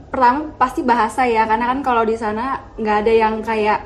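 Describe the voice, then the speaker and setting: High-voiced young woman, relaxed chat. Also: fairly quick, a little hiss or hum. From West Java, Indonesia. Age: young adult. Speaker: guest, university student. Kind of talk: casual chat.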